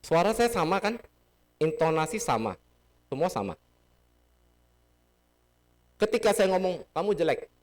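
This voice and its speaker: A man's voice: high voice, big pitch swings, unhurried, pauses often. A man giving a casual Buddhist sermon in a temple hall, teaching playfully and asking the audience questions. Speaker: Buddhist dharma speaker.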